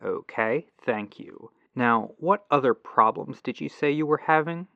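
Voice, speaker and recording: A man acting as a polite, patient tech support agent in a soft-spoken ASMR roleplay, musing aloud over a lo-fi telephone line. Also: mid-range voice, gravelly, dry recording. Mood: reassuring. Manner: unhurried, pausing, courteous, musing aloud. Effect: lo-fi telephone filter.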